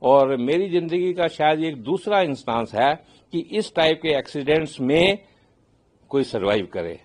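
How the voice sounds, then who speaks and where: A man's voice: on the high side, expressive. Older Indian man explaining as an expert. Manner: halting, measured explaining with English phrases mixed in. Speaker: aviation expert guest. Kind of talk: spoken interview commentary, explaining.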